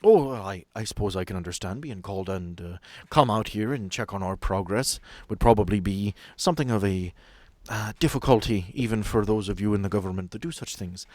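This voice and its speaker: A man voicing a composed, formal female sanatorium administrator in a tabletop game, polite and measured with slight hesitation. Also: fairly low pitch, a little mellow, no room sound, close to an everyday voice. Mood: polite, gracious.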